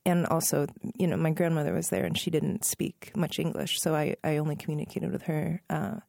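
Gravelly low-voiced woman, warm and relaxed. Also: brisk, no echo, clean studio sound. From Northern Virginia, USA. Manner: thoughtful, self-correcting, laughs softly. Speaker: musician guest. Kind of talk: relaxed interview conversation.

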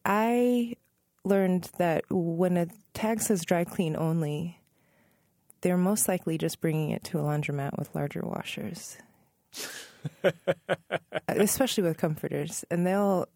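A woman in her thirties from Northern Virginia, a musician answering interview questions in a relaxed, thoughtful way, pausing and correcting herself and laughing softly. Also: fairly low pitch, gravelly, dry recording, studio quality. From Northern Virginia, USA. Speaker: musician guest.

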